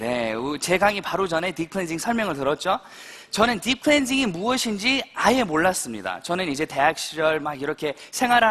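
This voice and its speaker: An American-accented man speaks at a fairly quick pace in a high, bright, sharp voice, animated in tone and with very wide pitch swings. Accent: American accent in Korean. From United States. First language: English (speaking Korean). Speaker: network marketing speaker. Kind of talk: seminar lecture. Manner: animated, asks audience questions.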